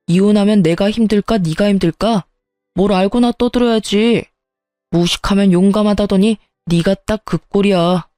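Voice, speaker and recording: A woman's voice: medium pitch, warm tone, no echo, studio quality, natural voice. A woman reading the lines of an arrogant, belittling husband in a spoken story. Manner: smug and belittling. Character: arrogant, dismissive married man. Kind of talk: storytelling with voiced dialogue.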